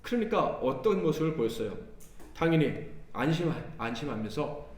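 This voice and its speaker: A man's voice: fairly high pitch, normal speed. Korean pastor guy preaching sunday sermon, voice swings up and down a lot, acts out the lines, sounds far off in a roomy church. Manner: animated preaching that acts out Jesus' and the disciples' words; asks the congregation questions. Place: church sanctuary. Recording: echoey church hall, mic at a distance.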